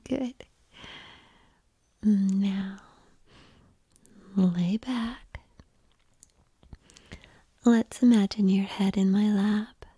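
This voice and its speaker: A woman whispering softly and calmly in an ASMR roleplay, coaxing the listener through slow breathing, close to the microphone. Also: medium pitch, breathy edge, no room sound. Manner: soft unvoiced whispering; calm, coaxing breathing guidance.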